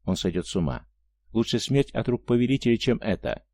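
A man narrating an audiobook in a steady, measured reading. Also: medium pitch, gravelly, no room sound. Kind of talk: audiobook narration of science fiction.

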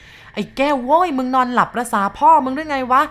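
A woman voicing a terrified young male truck driver who shouts in panic, in a spoken ghost story. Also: sits high, extremely slow, pitched above the performer's own voice, full character voice. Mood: panicked shouting. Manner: shrieking in panic.

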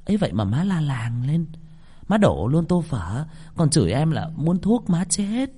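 Một người đàn ông giọng miền Nam đóng vai cô con dâu trẻ, giọng nhỏ nhẹ thủ thỉ, lo lắng. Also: male voice, on the high side, big pitch swings, normal speed, breathy edge, big-room sound, voice pushed up. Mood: complaining. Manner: soft, confiding. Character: young daughter-in-law, soft and worried.

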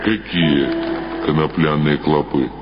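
A man voicing a puzzled, curious young stoner in a slow, gruff, questioning drawl in an audiobook. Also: very deep voice, fairly even intonation, big-room sound, voice pushed down. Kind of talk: audiobook character dialogue. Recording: dull radio-like sound over loud music.

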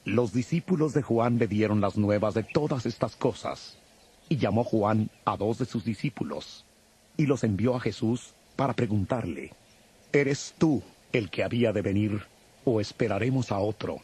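Male scripture narrator, low and very husky, solemn storytelling delivery. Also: moderate pace, darkish tone. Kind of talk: scripted narration of a dramatized audio Bible.

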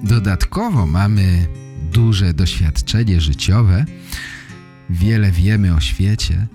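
Low-voiced man, slow podcast host, guitar behind. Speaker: language podcast host and teacher. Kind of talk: podcast monologue addressed to learners. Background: guitar music.

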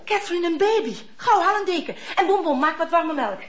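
An expressive married lady, urgent and tender, with a widely swinging voice. It is radio drama acting on a dull, slightly noisy recording. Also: very high-pitched, fairly quick. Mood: excited, urgent. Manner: expressive, switches between commands and soothing. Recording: muffled old radio recording with noise.

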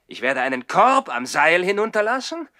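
A man's voice: high-pitched, big pitch swings, moderate pace, bright, forceful tone, no echo, studio quality, heavily acted. An actor playing a proud, defiant older brother, a self-assured and commanding boy in a 1960s radio play. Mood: commanding, secretive.

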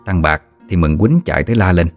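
Very deep male storyteller, somber ghost-story narration over faint music. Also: quick pace.

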